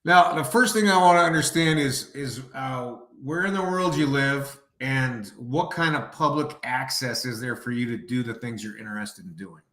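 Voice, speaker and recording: A man's voice: mid-range voice, normal speed, few pauses, sharp tone. A man hosting a podcast interview in a conversational style. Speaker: podcast host. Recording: echoey, roomy sound.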